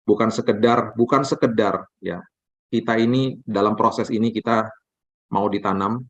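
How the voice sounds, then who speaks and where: Low-voiced male preacher, animated storyteller, dry dull recording. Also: moderate pace, no echo. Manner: animated storytelling, acts out dialogue. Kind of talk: sermon with personal story.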